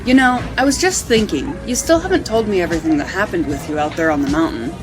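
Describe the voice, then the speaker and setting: A woman's voice: lowish voice, animated, quick pace, music in the background, close to an everyday voice, poor audio. A woman playing a friendly, practical companion in an amateur audio drama, with a casual, conversational delivery. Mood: warm, coaxing.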